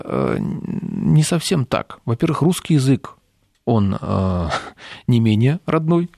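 A man's voice: medium pitch, gravelly, darkish tone, dry recording. A man who is a studio guest on a political talk show, explaining at length with frequent hesitations. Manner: long explanatory turns with frequent hesitation fillers.

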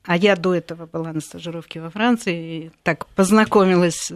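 A woman's voice: lowish voice, fairly even intonation, fairly quick, dry recording. Hesitant older woman from Latvia, dry sound. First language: Russian. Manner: hesitant, many fillers and restarts. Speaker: politician. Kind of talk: conversational interview.

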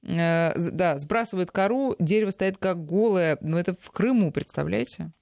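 A woman hosting a radio show, reading out listener letters in a brisk, conversational way with filler sounds. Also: on the low side, gravelly, a little mellow, no room sound, clean studio sound.

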